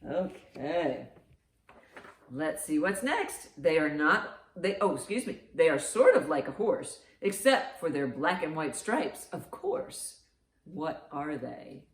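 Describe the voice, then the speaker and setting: Animated woman hosting children's storytime, roomy sound. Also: low voice, takes it slowly. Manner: encouraging, exaggerated reactions to answers. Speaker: children's library storytime host. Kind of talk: animated read-aloud and riddles for young children.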